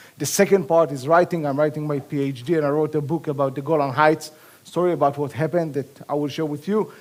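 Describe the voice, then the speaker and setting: A man with an Israeli accent talks very fast in a fairly high pitch, his intonation fairly even. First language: Hebrew. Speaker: retired army officer. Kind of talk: lecture. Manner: halting.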